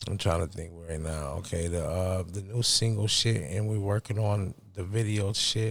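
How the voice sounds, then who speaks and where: A man with a fairly low pitch and a somewhat breathy voice speaks at a moderate pace. He uses fairly even intonation and hardly any pauses. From Michigan. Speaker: hip-hop DJ and artist. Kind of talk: casual interview. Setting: at his home.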